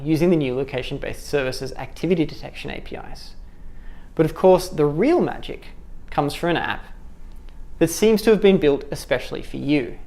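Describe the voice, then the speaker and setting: Upbeat Australian man presenting tech. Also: on the high side. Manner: upbeat, gestures with hands while talking. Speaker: developer advocate presenting a tutorial. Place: studio with dark backdrop.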